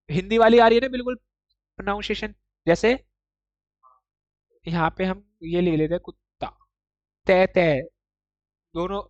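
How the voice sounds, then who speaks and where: In an online class, a teacher with a medium-pitched voice and no echo explains Japanese writing step by step. English words get mixed into the talk, and the teacher often checks that the listener is following.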